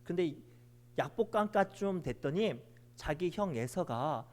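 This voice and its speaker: A man's voice: a little high, lively intonation, a little slow. A man pastor delivering a sermon, preaching emphatically and telling stories to the congregation.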